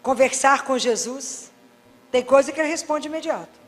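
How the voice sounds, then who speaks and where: A Catholic doctor giving a faith talk, telling anecdotes and acting out dialogues with wry humor. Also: female voice, sits high, normal speed, big-room sound, faint music behind. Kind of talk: preaching talk with lively anecdotes.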